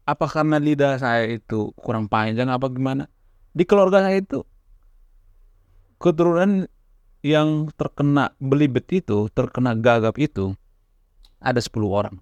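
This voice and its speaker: A man's voice: mid-range voice, no room sound, lo-fi sound. A man talking casually to camera as a YouTube host, stammering now and then and restarting his words. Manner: stammers at times, restarts words, conversational fillers. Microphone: camera mic, close.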